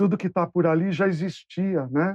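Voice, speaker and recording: Dry and close with no echo, a man speaks at a high pitch with fairly even intonation. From Brazil. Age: 60s. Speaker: company founder, engineer. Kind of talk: interview.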